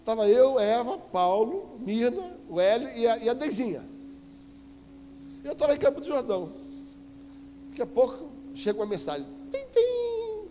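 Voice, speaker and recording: A man with a Brazilian Portuguese accent preaching a sermon as an apostle, telling a story with animated emphasis and sudden loud exclamations. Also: very high-pitched, moderate pace, pauses often, a little hiss or hum. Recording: echoey church hall with faint music.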